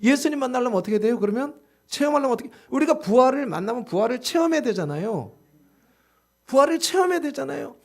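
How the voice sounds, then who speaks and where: A man preaching a sermon as pastor, emphatic and full of rhetorical questions to the congregation, swinging between loud exclamations and hushed, slow asides. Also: very high voice, expressive.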